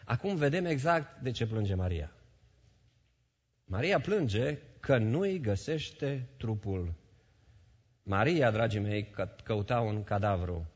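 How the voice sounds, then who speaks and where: A male pastor preaching a sermon in a church hall, emphatic, repeating phrases and swinging between loud and soft. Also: lowish voice, husky. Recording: reverberant hall, dull sound.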